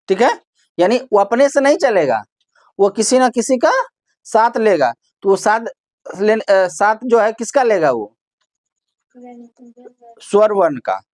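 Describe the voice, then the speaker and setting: Slow-spoken woman teaching grammar. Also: mid-range voice, big pitch swings, darkish tone, no echo, clean studio sound. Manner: asks questions then answers them herself, repeating key terms. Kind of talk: classroom grammar lesson.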